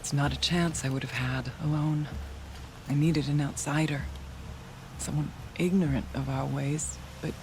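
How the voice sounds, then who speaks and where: An actor playing a solemn, devout tribal shaman in a video game, speaking in measured, formal, reverent phrases. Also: fairly high pitch, steady tone, slight background noise. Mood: earnest, grateful. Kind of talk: dramatic video game cutscene acting.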